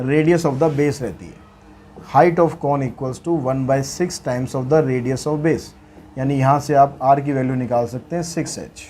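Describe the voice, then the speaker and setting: A man's voice: on the high side, darkish tone. A man teaching maths, walking through worked problems in a chatty way with asides and jokes. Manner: chatty, mixes English terms into speech, light jokes.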